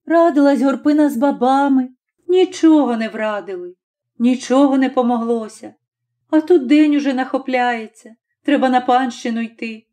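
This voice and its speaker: A woman reading a classic short story aloud in an unhurried, mournful storytelling manner. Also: sits high, mellow. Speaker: audiobook reader. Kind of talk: scripted narration of a classic story.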